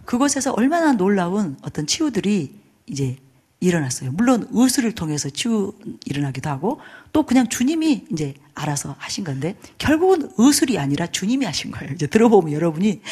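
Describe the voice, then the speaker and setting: A woman pastor telling stories from the pulpit, her husky voice swooping up and down as she speaks. She laughs easily and slips into the voices of the people she describes, keeping the sermon lively. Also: lowish voice, a little fast. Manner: animated storytelling, laughing as she goes; acts out quoted voices.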